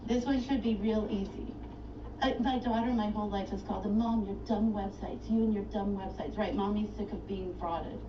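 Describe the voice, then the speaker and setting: Brief: indignant woman self-filer ranting at a clerk's counter, recorded on a phone from a distance, echoey and muffled with loud background noise. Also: medium pitch, steady tone. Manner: agitated, indignant, rapid-fire complaining. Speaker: self-represented litigant filing a case. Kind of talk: filmed argument at a court clerk counter. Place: courthouse clerk's counter indoors.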